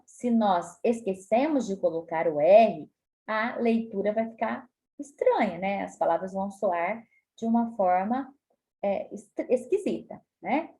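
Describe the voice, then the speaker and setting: A woman with a Brazilian Portuguese accent teaching a spelling lesson to children, explaining patiently and stretching words out slowly. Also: medium pitch, a little mellow. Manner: slow, stretches words out syllable by syllable; frequent tag questions, patient explaining tone. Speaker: primary school teacher.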